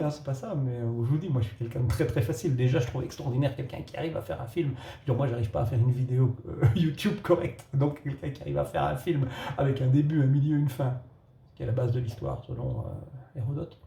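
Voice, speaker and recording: A man giving a casual spoken film review for his channel, halting with many restarts and little chuckles. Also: mid-range voice, expressive, creaky, mellow. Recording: echoey room.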